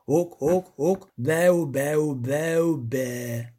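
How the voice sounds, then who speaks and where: A man's voice: a little high, extremely slow, warm tone. A man voicing a furious goat-like male devil who bleats and shrieks as he talks. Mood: bleating. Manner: shrieking, bursts into goat noises.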